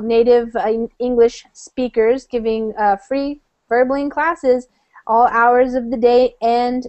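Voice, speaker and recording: A woman's voice: mid-range voice, darkish tone, dull audio. A woman from the United States teaching an online English class over a video call, friendly and chatty with many fillers.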